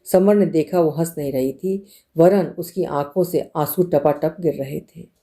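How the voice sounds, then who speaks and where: A woman narrating a literary audiobook in a measured, expressive storytelling manner. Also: low voice.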